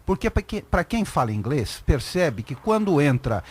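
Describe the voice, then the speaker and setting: A man's voice: on the high side, very animated, normal speed, a little mellow, husky. A Brazilian man co-hosting a radio talk show, giving emphatic, opinionated commentary in a casual chat. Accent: Brazilian Portuguese.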